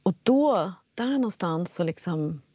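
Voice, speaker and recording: A woman telling a personal story in casual conversation, animated, acting out quoted lines. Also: on the low side, husky, dry recording, dull audio. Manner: animated, acts out quotes in English.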